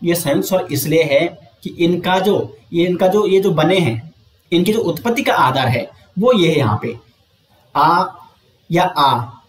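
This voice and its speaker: A man coaching for an exam speaks with fairly high pitch and plenty of animation, and the recording sounds roomy. Going step by step, he raises questions only to answer them himself, pulling sounds out slowly to illustrate.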